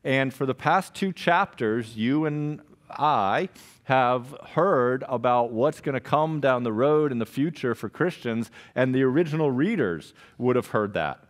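A man in his forties preaches from a church stage into a headset mic, moving around and gesturing widely. His voice sits at an ordinary middle pitch, and he tells stories with animated energy, voicing his own reactions as he goes. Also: measured pace. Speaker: pastor. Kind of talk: sermon. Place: church stage with purple backlit wall.

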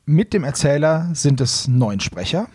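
Casting: male podcast host, casual, mid pitch, husky, dry sound. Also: sing-song, unhurried, darkish tone, no room sound.

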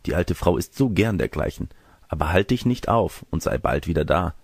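A kindly, brisk village mother from a fairy tale, as a male reader puts her on. She instructs in a lively, slightly creaky voice. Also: low voice, dry recording, studio quality, exaggerated voice.

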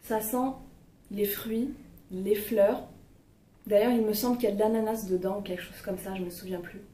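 Mellow-voiced woman vlogging in a roomy space. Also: mid-range voice, fairly even intonation, moderate pace. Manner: chatty, hesitant with frequent fillers. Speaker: beauty vlogger. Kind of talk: casual product review chat. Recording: roomy, distant mic, faint noise.

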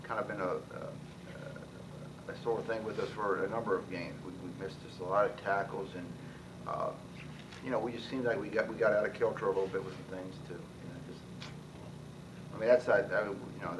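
A man in his sixties, a head football coach, answering at a post-game press conference, talking quickly with many restarts and repeated words. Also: sits low, fairly even intonation. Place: press room with sponsor backdrop. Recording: distant mic, noisy press room.

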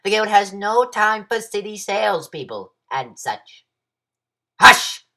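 Bright, bossy cartoon bird. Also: male voice, sits high, sing-song, slow, full character voice. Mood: bossy, stern. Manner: stern, clipped, scolding. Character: bossy, fussy bird guild second-in-command. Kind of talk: character voice audition.

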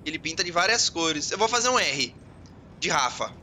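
A man with a Brazilian Portuguese accent giving casual let's-play commentary, excitable and joking, swearing and talking to himself as he plays. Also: on the high side, normal speed, slight background noise. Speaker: gaming channel host.

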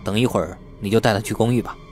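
A man's voice: on the low side, fairly even intonation, very fast, music in the background, lightly acted. Wary, bossy young man, as a narrator plays him. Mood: wary, urgent.

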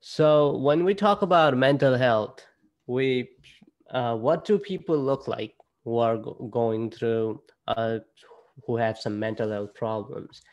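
A young man from Nepal with a Nepali accent, presenting casually to students on a video call through a laptop mic, halting and restarting often. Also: mid-range voice, a little mellow, dull audio. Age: young adult. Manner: halting, with frequent fillers and restarts. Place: indoor room at home. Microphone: laptop webcam on a video call.

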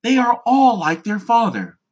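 Storybook mother duck, put on by a narrator: tired, fussy and proud, pitched up, swooping and unhurried. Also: big pitch swings, highs cut off. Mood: weary, fretful.

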